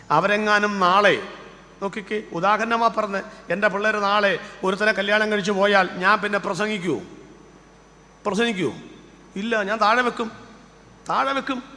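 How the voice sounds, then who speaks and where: Fervent older pastor, high bright voice. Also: male voice, long reverb tail. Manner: fervent preaching with rapid-fire rhetorical questions. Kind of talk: sermon.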